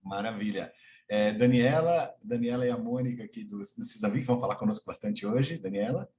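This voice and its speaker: A man's voice: fairly low pitch, a little fast, warm tone, slight background noise. A man with a Brazilian Portuguese accent, hosting an online session and introducing guests one by one. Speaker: host and moderator of an online session. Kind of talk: moderating a video call. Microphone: video call.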